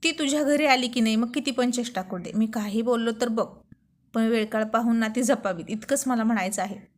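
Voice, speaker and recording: A woman's voice: fairly high pitch, fairly quick, natural voice. A woman voicing a playful, teasing young husband in a spoken storybook. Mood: earnest. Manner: playful, bantering. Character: young married man, teasing and romantic.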